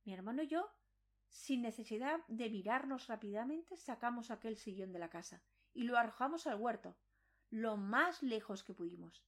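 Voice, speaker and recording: A woman's voice: fairly high pitch, animated, moderate pace, fairly bright tone. A woman reading a scripted first-person supernatural horror story as a dramatic narration.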